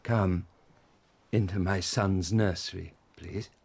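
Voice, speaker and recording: An actor playing a broken aristocratic father who speaks slowly and with icy sarcasm in a radio drama. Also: sits low, fairly even intonation, gravelly, a little mellow, slightly rough, exaggerated voice. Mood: bitter. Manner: slow, icy, bitterly sarcastic. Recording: music score behind.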